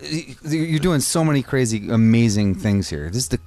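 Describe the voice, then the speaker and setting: A young man hosting a podcast, excitable and quick to swear while he chats with his guest. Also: medium pitch, no room sound. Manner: excitable, swearing often, rapid. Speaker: podcast host. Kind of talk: casual interview.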